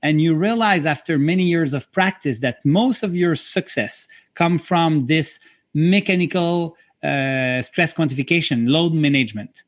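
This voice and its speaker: A man from Quebec with a French Canadian accent, a physiotherapist speaking English as a second language in a podcast interview, halting and searching for words. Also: fairly high pitch, no echo, clean studio sound. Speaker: physiotherapist guest.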